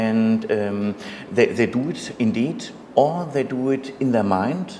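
A man speaks at a fairly slow pace with a German accent. His pitch varies in an ordinary way over light background noise. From Germany. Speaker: radio host. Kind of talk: interview. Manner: halting. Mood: earnest, enthusiastic. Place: home room. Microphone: lapel.

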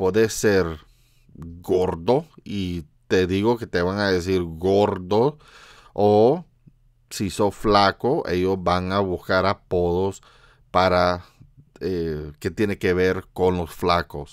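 Over a quiet background, a man with a very deep, low pitch speaks very slowly with fairly even intonation and long, frequent pauses. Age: 40s. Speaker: YouTuber; YouTuber, streamer. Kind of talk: casual vlog monologue; casual vlog chat. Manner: halting, many fillers. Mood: earnest, motivational. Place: home room. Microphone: webcam.

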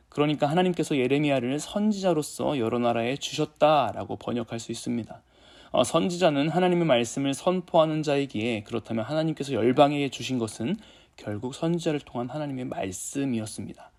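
A fairly high-pitched man at a fairly quick pace, lively in intonation, on a very clean recording with a silent background. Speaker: preacher. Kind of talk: sermon. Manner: frequent filler 'eo' hesitations.

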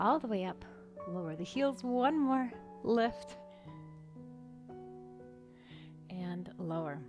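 Clear music plays behind a woman speaking at a very slow pace. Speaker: fitness instructor. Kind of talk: workout instruction.

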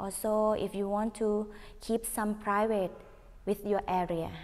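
Soft-spoken and calm, with a gentle tone, a woman with a Thai accent talks very slowly in a dark, mellow voice. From Thailand. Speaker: yoga teacher. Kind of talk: guided yoga class with soothing guided meditation and breathing cues. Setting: online video yoga class. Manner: slow, soft, calm and gentle. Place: hall.

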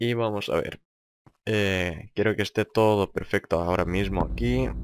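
Over a very clean recording with a silent background, a man speaks at a fairly slow pace with a fairly low pitch and ordinary pitch variation. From Lithuania. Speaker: gaming youtuber. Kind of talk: gameplay commentary.

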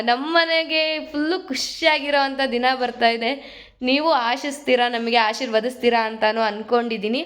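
Her voice sits high in pitch, and the woman's pitch varies in an ordinary way. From Karnataka, Bhadravati taluk near Shivamogga. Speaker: vlogger. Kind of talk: casual vlog narration.

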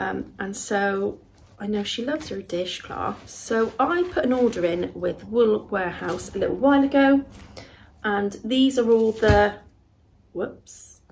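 Over light background noise, a woman with a fairly high pitch talks at a fairly slow pace with lively intonation. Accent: British. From UK. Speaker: knitting and crochet podcaster; crochet podcaster. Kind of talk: casual chat. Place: home room. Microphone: camera far.

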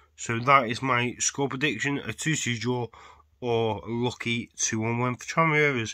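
Against a quiet background, a man with a bright, sharp tone talks at a moderate pace with fairly even intonation. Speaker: football fan vlogger. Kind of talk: casual vlog chat. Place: home room. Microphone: phone near.

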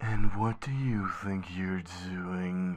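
A man puts on a hissing character voice, very deep and low, with ordinary pitch variation. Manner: hissing, menacing.

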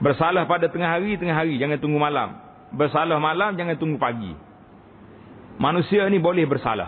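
A man speaks with ordinary pitch variation. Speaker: religious teacher. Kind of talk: sermon. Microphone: handheld.

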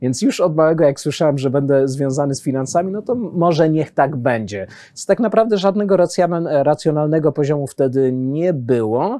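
Fairly quick male speech with lively intonation and a dark, mellow tone over a quiet background. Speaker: company CEO; guest. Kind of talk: interview. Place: studio. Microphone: lapel.

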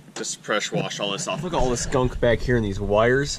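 Audible room echo surrounds a man talking at a fairly quick pace. His pitch is fairly low, with ordinary pitch variation.

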